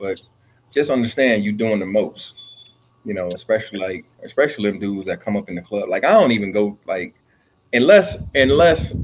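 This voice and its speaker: A man with an American accent, medium pitch, ordinary pitch variation and long, frequent pauses. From Bahamas. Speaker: livestream panel host. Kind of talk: casual chat. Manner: animated.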